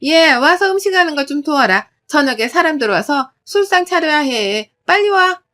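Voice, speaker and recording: A woman voicing a shrill, contemptuous older mother-in-law who screeches and scolds. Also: animated, moderate pace, pushed and bright. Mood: scolding.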